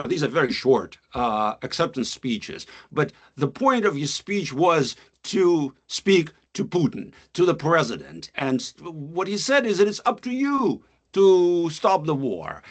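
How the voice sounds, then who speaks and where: Solemn man reciting his own poem. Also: fairly high pitch. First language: Russian. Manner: measured, solemn recitation with long pauses; thoughtful academic talk with many filler uhs. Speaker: guest speaker, poet and scholar. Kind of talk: reading his poem, then lecturing. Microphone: video call.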